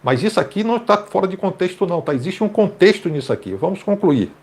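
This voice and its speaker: Emphatic higher-voiced male pastor. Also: lively intonation, fast, a little hiss or hum. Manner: emphatic, repeats phrases for stress. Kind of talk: commentary on a clip, sermon-like.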